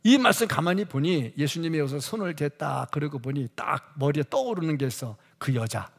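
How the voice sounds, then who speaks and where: A man's voice: on the high side, lively intonation, a little fast, gravelly. A man preaching a sermon in a church sanctuary, talking conversationally, asking rhetorical questions and laughing at times. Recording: reverberant church hall.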